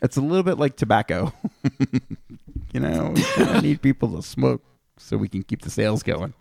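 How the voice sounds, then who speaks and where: A man from Canada hosting a casual comedic podcast, deadpan, trading crude jokes and reading facts aloud. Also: medium pitch, normal speed, vocal fry, no room sound, clean studio sound. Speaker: podcast host.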